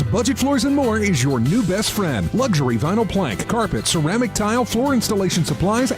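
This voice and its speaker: Bright, lively male radio ad announcer over music. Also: sits high. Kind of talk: upbeat radio advertisement. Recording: music bed behind the voice.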